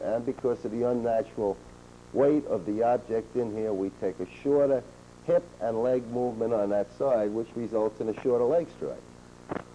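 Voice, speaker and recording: A man calmly explaining police techniques on a training video, in a steady, matter-of-fact way, heard from an old VHS tape. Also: medium pitch. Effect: old VHS tape sound. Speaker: law enforcement instructor. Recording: dull worn VHS tape with faint hiss.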